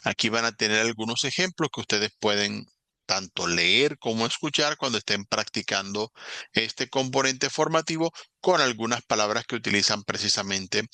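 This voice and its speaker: A man's voice: fairly low pitch, pushed and bright, dry recording. A man, an English teacher explaining grammar in a recorded online lesson, patiently and step by step.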